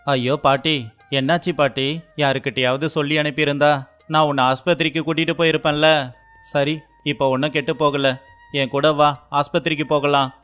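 A man's voice: a little high, level tone, fairly quick, a bit bright, clear, resonant tone, soft background music, natural voice. A man playing a caring young village man in a children's moral story, speaking in an earnest, familiar way like a grandson. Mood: concerned.

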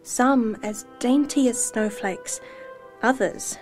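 A young woman voice actor giving measured, storytelling narration. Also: on the high side, faint music behind. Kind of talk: scripted narration reel.

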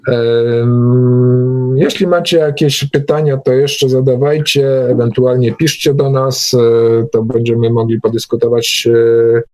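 A man hosting an informal online meeting, speaking hesitantly with many drawn-out filler pauses. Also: medium pitch, steady tone, a little mellow. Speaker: host of an online group meeting.

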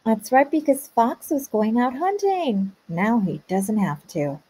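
A woman teacher pausing a read-aloud to ask young children patient questions about the story. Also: fairly high pitch, sing-song, dark tone, slightly rough. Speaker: kindergarten teacher.

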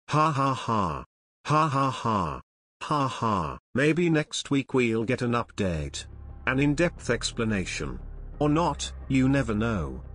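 A synthetic male text-to-speech robot voice delivers scripted, sarcastic commentary. Its delivery is deadpan and mocking, at an ordinary male pitch. The sound is dry and close, with no room around it. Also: dry recording.

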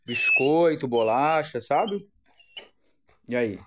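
A man with a Brazilian Portuguese accent chatting playfully to viewers from his living room, narrating in an animated way. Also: medium pitch, slow pace, background noise. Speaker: vlogger. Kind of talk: casual chat to viewers. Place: home living room with a sofa.

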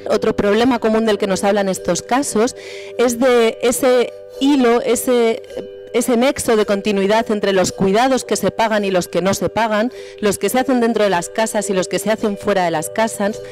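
A woman delivers a measured, rhetorical statement from a panel, stacking phrase upon phrase. Her pitch is middling. Faint music runs underneath. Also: darkish tone. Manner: measured, rhetorical, builds lists. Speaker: feminist economist, tribunal expert. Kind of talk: formal statement. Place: conference hall panel. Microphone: table mic.

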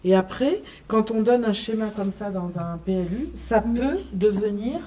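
A woman's voice: medium pitch, moderate pace, mellow, slight background noise. A woman presenting a planning design to a group standing around a table, hesitant, with many fillers and restarts. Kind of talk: explaining a plan around a table. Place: meeting room, group standing round a table.

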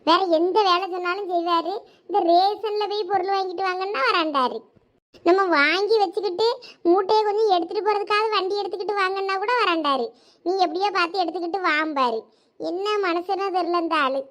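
A woman's voice: extremely high pitch, fairly quick, fairly bright tone. A woman with a Thoothukudi Tamil accent performing a village comedy skit, complaining and gossiping.

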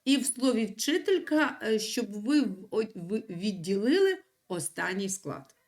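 A middle-aged woman teaching young pupils in a recorded lesson. Her voice rises and falls in a lively, sing-song way as she stresses each key word. She explains slowly and patiently, like a teacher at the front of a class. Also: mid-range voice. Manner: clear, patient, emphatic teacher explaining to children. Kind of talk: recorded online school lesson.

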